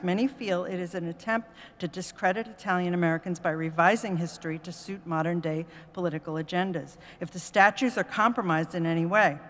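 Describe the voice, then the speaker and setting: A woman's voice: lowish voice, fairly bright tone. A woman giving public comment at a meeting, reading a prepared statement in an earnest, formal way. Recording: long reverb of a meeting hall.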